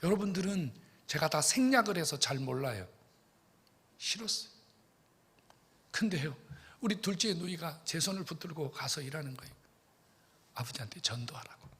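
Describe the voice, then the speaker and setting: A middle-aged male pastor telling a story in a sermon, dropping to hushed whispers and then bursting out loud, repeatedly speaking straight to the congregation. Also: a little high, lively intonation, moderate pace, pauses often, breathy edge. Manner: dramatic, swings between hushed whispers and sudden loud bursts; addresses congregation directly, repeats phrases. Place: church sanctuary. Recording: long church reverb.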